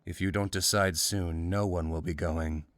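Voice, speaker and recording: A deep-voiced, stoic male guide from a visual novel, played by an actor. He is grim and dispassionate, with little emotion in his delivery. The sound is dry and close. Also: steady tone, moderate pace, no room sound, lightly acted. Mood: stoic, grave.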